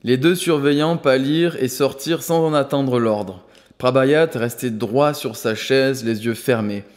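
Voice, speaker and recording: A man reading a novel aloud as an audiobook narrator, at a steady, even pace. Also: medium pitch, a little slow, big-room sound. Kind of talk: scripted narration.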